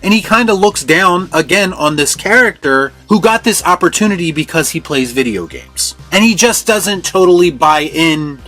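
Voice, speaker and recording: A man delivers scripted review commentary as a host. His voice sits a little high for a man, with light music playing underneath. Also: expressive, moderate pace, few pauses, pushed and bright. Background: background music.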